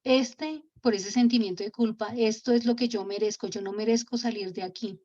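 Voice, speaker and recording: A woman's voice: a little high, normal speed, a little mellow, dry recording, dull audio, lightly acted. A woman voicing a guilt-ridden, bitter woman's spirit. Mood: anguished. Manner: defensive, anguished.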